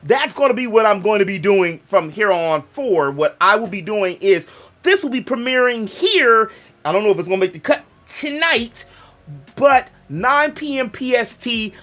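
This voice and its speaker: His voice sits high with big pitch swings, sounding pushed and bright at a moderate pace. A young Black American man speaking African American English, he hosts a gaming channel with a casual, digressive, joking ramble that often breaks off mid-thought.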